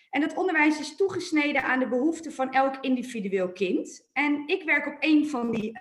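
Sounding enthusiastic, a woman speaks at a high pitch with very wide pitch swings. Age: 30s. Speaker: executive secretary. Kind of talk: interview.

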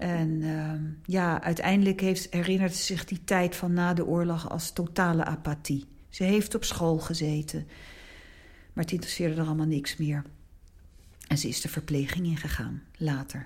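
In a very clean recording with a silent background, a woman speaks at a moderate pace. Her voice is somewhat breathy with a fairly low pitch. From Netherlands, Weesp. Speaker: former TV newsreader. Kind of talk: personal testimony. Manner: halting, with repetitions.

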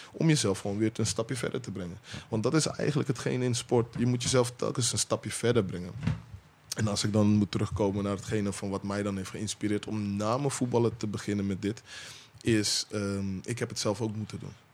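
Using a plain, everyday voice, a man speaks at a fairly quick pace in a fairly low pitch with fairly even intonation. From Netherlands, Rotterdam. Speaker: former footballer and performance coach. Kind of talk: casual chat.

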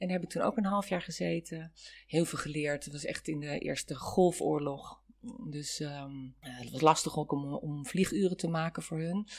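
Her voice is very deep and low. The pitch shifts in an ordinary way. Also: moderate pace. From Netherlands, Lisse (South Holland). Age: 50s. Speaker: regression therapist. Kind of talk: conversational interview. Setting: kitchen table at home.

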